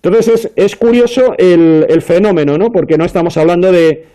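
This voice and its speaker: A man's voice: high voice, normal speed, dark tone. A man on a talk panel, explaining at length with many fillers and restarts. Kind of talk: casual panel discussion.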